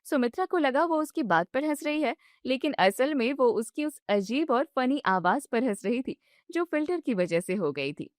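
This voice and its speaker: A woman narrating a storybook with even storytelling. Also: high-pitched, normal speed, no echo, studio quality.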